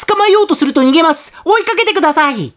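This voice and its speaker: A man voicing an animated, polite product-guide narrator in a scripted reading. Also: extremely high pitch, rapid-fire, pitched above the performer's own voice.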